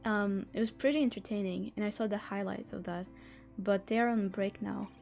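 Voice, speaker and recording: Mellow-voiced non-native English-speaking woman streamer. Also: medium pitch, steady tone, moderate pace, vocal fry, soft background music. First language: not English. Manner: chatty, giggly, stumbles over words while reading. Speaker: livestream host. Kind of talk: casual livestream chat, reading a book blurb aloud.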